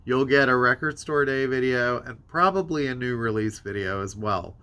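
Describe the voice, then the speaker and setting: A man with a bright, forward voice that sounds congested and a bit worn out. He talks like the host of a casual new-release show, rambling from item to item with offhand, self-deprecating asides. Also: medium pitch, moderate pace, clean tone. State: tired voice giving out. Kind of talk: casual rambling product rundown to camera.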